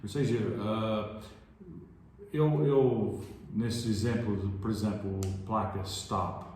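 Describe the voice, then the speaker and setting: A man's voice: on the low side, steady tone, slow, a little mellow, a little hiss or hum. A man from outside Portugal leading a Bible study discussion, asking probing questions and searching for words as he goes. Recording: very echoey room.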